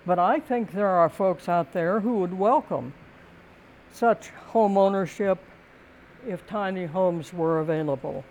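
An older woman giving a prepared talk in a calm, gentle, deliberate way, with thoughtful pauses between phrases. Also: fairly low pitch, slight background noise, rough recording. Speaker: speaker giving a talk on community and housing.

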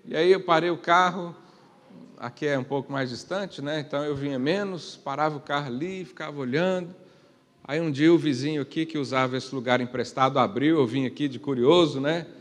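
A man preaching a sermon, firing rhetorical questions and swinging from quiet to loud. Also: on the high side, fairly quick. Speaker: pastor. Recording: long reverb of a church hall.

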